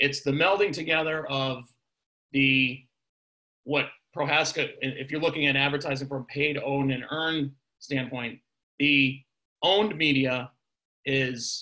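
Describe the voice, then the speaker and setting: With long, frequent pauses, a man with a bright, sharp tone and fairly high pitch speaks at a fairly slow pace and fairly even intonation over a quiet background. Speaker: digital marketing consultant; webinar presenter. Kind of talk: webinar presentation. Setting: video call. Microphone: webcam.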